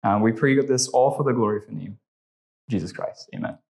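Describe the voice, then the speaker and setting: A young man from Trinidad and Tobago, speaking with a Trinidadian accent, conducts a church class and leads a prayer in a chatty style with many "right?" tags. His mid-range voice is fairly quick and a little mellow, with vocal fry.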